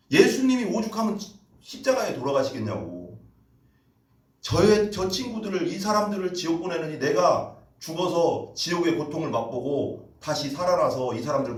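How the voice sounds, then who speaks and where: A male pastor preaching a sermon with emphatic rhetorical questions, switching between formal and casual speech. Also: a little high. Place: church sanctuary. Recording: echoey church room, voice from a distance.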